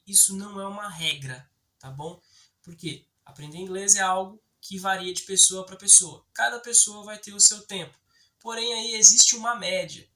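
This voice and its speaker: A man who runs an English-teaching YouTube channel explains things in a chatty way for a learning video, often checking in with the viewer. He has a Brazilian Portuguese accent, and his high-pitched voice sounds pushed and bright.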